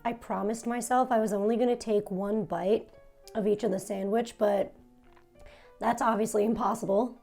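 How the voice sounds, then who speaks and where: A young woman hosting a casual food-tasting vlog, hoarse and nearly losing her voice, talking in a subdued, raspy monotone with small laughs. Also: mid-range voice, normal speed, faint music behind. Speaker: food vlogger. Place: her home in Japan.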